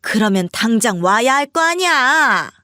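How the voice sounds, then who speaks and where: A woman voicing a sharp-tongued older mother-in-law in a storybook reading, firing off rapid reproaches. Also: a little high, big pitch swings, dry recording, clean studio sound, heavily acted. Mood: scolding. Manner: scolding, rapid-fire reproaches.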